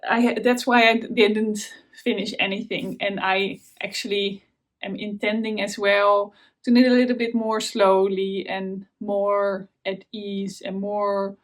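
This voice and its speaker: A Dutch woman with a Dutch accent hosting a knitting vlog, talking in a casual, hesitant way with many fillers and restarts. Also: mid-range voice. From Netherlands. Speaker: knitting podcast host. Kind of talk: casual chat to camera.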